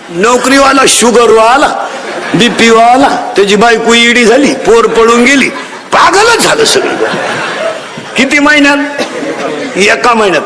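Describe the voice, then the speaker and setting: A middle-aged man preaching a devotional sermon with humor, emphatic and often shouting out his points. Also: very high-pitched, a little hiss or hum. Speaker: kirtan preacher.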